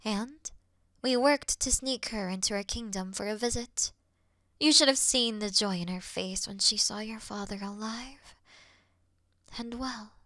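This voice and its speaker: A woman playing a regal, calm demon queen in a fantasy audio roleplay, speaking in a measured, earnest, soft-spoken way. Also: medium pitch, dry recording, studio quality. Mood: tender, nostalgic. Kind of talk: scripted fantasy audio roleplay addressed to the listener.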